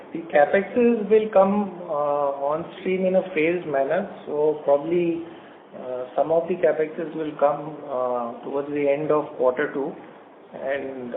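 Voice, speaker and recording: A male company executive with an Indian accent speaks in a fairly high voice over a narrow phone line. His delivery is formal and measured, with halting phrasing, as he addresses investors. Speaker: company executive on an earnings call. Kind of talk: prepared business remarks and investor answers. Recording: phone-like conference line with faint noise.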